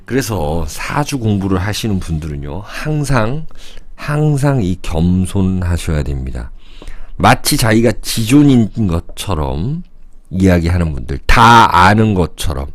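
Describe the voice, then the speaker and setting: A middle-aged man with a very low voice explains things in a relaxed lecture, his pitch swinging widely as he goes. He thinks aloud, sketches while he talks and keeps tossing rhetorical questions at the listener. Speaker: saju fortune-telling lecturer. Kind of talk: casual lecture.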